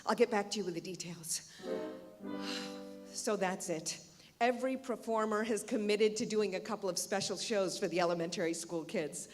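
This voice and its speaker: Woman acting an earnest arts director, echoey hall. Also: on the high side. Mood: coaxing, persuasive. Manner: earnest, emphatic, deliberate phrasing. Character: persuasive, hopeful yet frustrated female arts education director. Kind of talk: theatrical monologue, dramatic stage reading. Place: reverberant indoor hall at a live reading. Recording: echoey hall, music behind.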